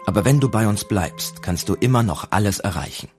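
A man narrating an audiobook in a calm, even storytelling manner. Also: on the low side, a little fast, husky, soft background music.

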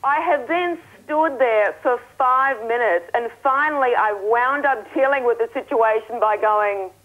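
A comic correspondent in her thirties with an Australian accent tells a funny travel story, wry and self-mocking, over an earpiece link from a TV studio desk. Her fairly high voice is unhurried, with phone-quality sound.

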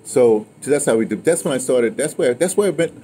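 A man's voice: mid-range voice, animated, a little fast, dark tone. An older American man telling stories casually in conversation, emphatic and digressive, often repeating his words. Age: older, 60s or 70s. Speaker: interviewer and former radio dramatist telling his own history. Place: outdoor patio at a table. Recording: noisy outdoor restaurant ambience.

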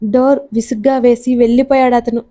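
A woman narrates a story in a measured, scripted reading. Her voice is fairly high yet mellow and dark in tone, and it barely rises or falls. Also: flat delivery.

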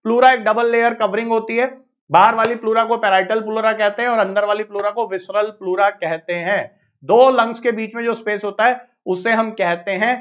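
A man with an Indian accent teaching biology in a live online exam-prep lecture, brisk and coaxing, repeating phrases to hurry his students along. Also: high voice, steady tone, fairly bright tone. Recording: slightly dull lo-fi audio.

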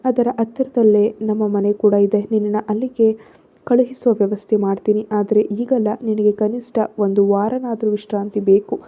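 A steady, caring uncle soothes and promises to help, voiced by a woman narrator. His words come softly and evenly over a thin, phone-like recording. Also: medium pitch, moderate pace, natural voice. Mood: reassuring. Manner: gentle, reassuring. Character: kind, steady older uncle, reassuring. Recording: phone-like narrow sound.

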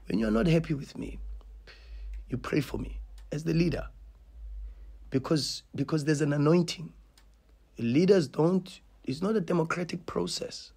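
Gravelly-voiced South African coach. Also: male voice, medium pitch, darkish tone. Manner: passionate, emphatic, full of repetitions and restarts. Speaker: football coach. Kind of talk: post-match press conference. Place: small press room with sponsor backdrop. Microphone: table mic on stand.

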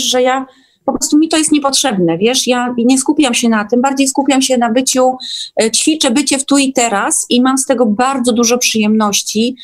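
A woman speaking as a guest in an online meeting, chatting informally and often checking that the listener follows. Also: fairly high pitch. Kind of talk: casual chat.

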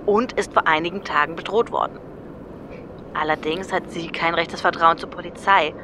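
A woman plays a young model in a radio play, earnest and concerned. Her voice sits slightly low, over clear city-like background noise. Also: steady tone, normal speed, natural voice. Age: young adult. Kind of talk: German audio drama acting.

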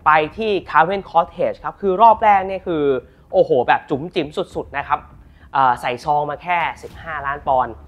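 A man from Thailand giving a casual, animated football talk to camera as a commentator, chatty and joking. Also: fairly high pitch, moderate pace, lo-fi sound. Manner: chatty and animated, jokes about the club, playful asides on pronunciation.

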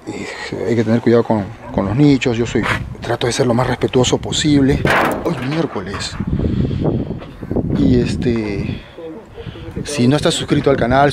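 A man's voice: medium pitch, gravelly. A middle-aged Peruvian man casually narrating a night exploration vlog outdoors, hesitant and often repeating his phrases. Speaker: vlogger. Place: outdoors on a hillside cemetery at night. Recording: noisy outdoor night camera recording.

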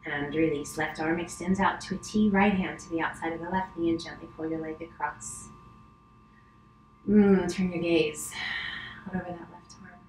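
A middle-aged woman instructs yoga in a lowish voice that stays very even. Her cues are gentle and unhurried, with soothing pauses between them. The room adds clear echo, and there is noticeable noise behind her. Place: wood-panelled living room, indoors. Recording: roomy echo, clear background noise, distant camera.

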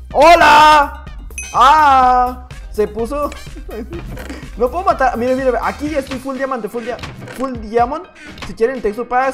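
A man's voice: very high voice, fairly bright tone. A man with a Mexican accent giving playful, teasing gameplay commentary as a gaming YouTuber. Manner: playful, teasing, jokey banter.

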